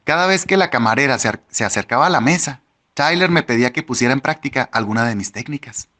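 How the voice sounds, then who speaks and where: A man reading a first-person audiobook with wry, lively storytelling. His voice is bright and forward, at an ordinary male pitch. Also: fast talker. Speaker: audiobook narrator.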